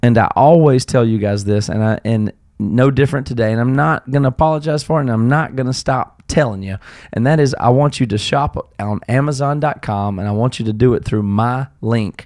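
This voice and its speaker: Here a man talks at a fairly quick pace with a slight Southern US accent. His medium-pitched voice has ordinary pitch variation, and the sound is dry and close with no echo. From US South, South Carolina. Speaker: podcast host and touring musician. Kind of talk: casual live podcast monologue and call-in. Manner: halting, with many fillers and restarts.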